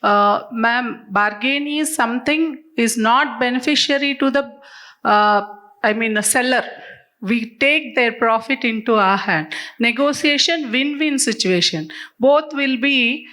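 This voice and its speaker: A woman with an Indian English accent answering from the audience, pausing to find her words. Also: on the high side, sharp tone. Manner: hesitant, searching for words. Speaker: audience member. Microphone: away from the mic in the audience.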